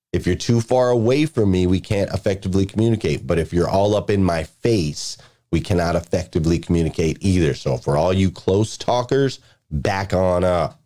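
A middle-aged man delivers a motivational talk on leadership. He speaks with energy and emphatic repetition, drilling his points home. He slips into lively storytelling to make them stick. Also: sits low. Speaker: podcast guest speaker, leadership coach.

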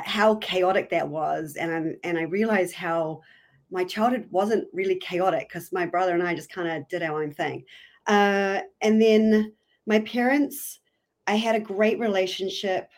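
A woman in her forties with a New Zealand accent, her voice sitting on the lower side. She chats casually as a podcast guest, teasing herself and laughing often. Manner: chatty and self-deprecating, laughs often. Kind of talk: casual interview chat.

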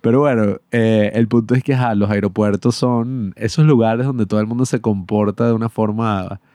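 A young man, co-hosting a casual podcast and telling animated anecdotes, acting out the voices of people in them. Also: lowish voice, normal speed, dry recording, studio quality. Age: young adult. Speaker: podcast co-host. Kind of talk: casual storytelling chat.

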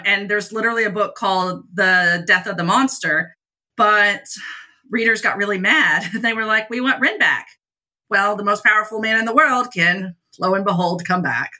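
A woman's voice: medium pitch, sharp tone. A woman guest author chatting casually on a podcast, talkative and self-deprecating.

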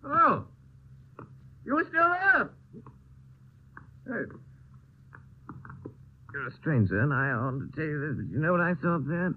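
Sozzled toff, lively slurred ramble, lo-fi old film sound. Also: male voice, a little high, unhurried, long pauses. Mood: tipsy. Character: drunk upper-class Englishman, rambling and silly.

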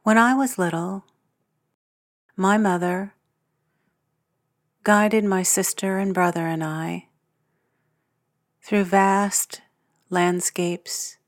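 A woman guiding a sleep meditation in a soothing, hushed, measured manner with long pauses between phrases. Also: mid-range voice, fairly even intonation, dry recording, clean studio sound. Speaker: meditation guide, podcast host. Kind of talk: guided sleep meditation narration. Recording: music under the voice. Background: soft guitar and piano music.

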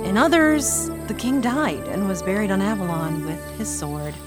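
Over loud music, an actress plays a feisty woman journalist in an adventure audio drama. She is skeptical and argues with exasperated emphasis, at a middling pitch. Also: expressive, moderate pace, lightly acted. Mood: explaining. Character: skeptical, feisty female journalist reluctantly joining treasure hunters.

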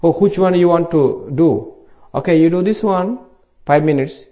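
This middle-aged Bangladeshi Buddhist monk, with the accent of his homeland, offers an informal dharma talk in plain English at a meditation retreat. He has a fairly high, mellow male voice and speaks at normal speed.

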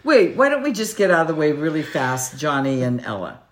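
A woman co-hosting a podcast in casual chat, wry and quick to mock. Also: sits low, sing-song, a little hiss or hum. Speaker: podcast co-host.

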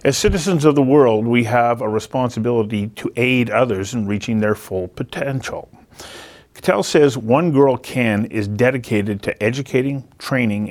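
A man hosting an interview show, reading a scripted introduction and then asking reflective, earnest questions in long measured sentences. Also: mid-range voice.

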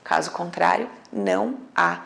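A woman with a Brazilian accent giving a casual online lesson as an emotional coach. She talks in an animated, blunt, informal way and sometimes swears. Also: on the low side, unhurried, gravelly. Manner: acts out quoted inner voices. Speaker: emotional coach teaching a method.

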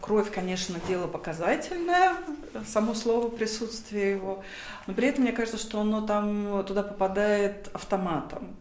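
A woman's voice: medium pitch, animated, moderate pace, a little mellow, a little hiss or hum. A woman talking as an academic guest, thoughtful and hesitant, with many fillers and restarts. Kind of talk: reflective interview answers. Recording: roomy echo.

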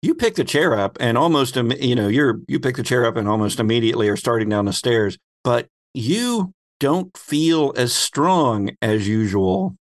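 A man's voice: medium pitch, big pitch swings, moderate pace, hardly any pauses, no room sound. Man narrating a tabletop game, dry close sound. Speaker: game master and host.

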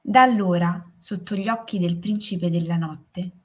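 A woman narrating a fairy tale in a calm, soothing way. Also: lowish voice, breathy edge. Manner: slow, soothing, gently emphatic. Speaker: storyteller.

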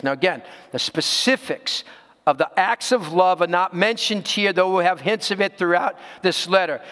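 A man's voice: high-pitched, a bit bright, big-room sound. A man preaching a sermon as pastor, earnest and direct, putting rhetorical questions to his congregation.

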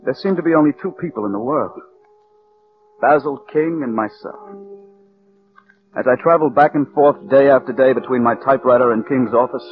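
Actor as a brooding writer-narrator of a 1940s radio play, dull sound with faint music. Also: male voice, mid-range voice, brisk, pauses often, lightly acted. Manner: brooding first-person narration. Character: bitter, driven male scriptwriter narrating.

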